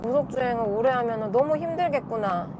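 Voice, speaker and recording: Her voice sits at a fairly high pitch. Noticeable background noise accompanies the woman. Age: 20s. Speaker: car reviewer. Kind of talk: casual review while driving. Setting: in a car on highway. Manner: conversational, animated.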